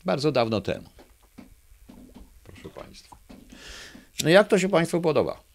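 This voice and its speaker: A man reading a children's verse tale aloud to an audience, with hesitant asides and fillers between lively readings. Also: on the high side, measured pace, vocal fry. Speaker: speaker reading a poem to an audience.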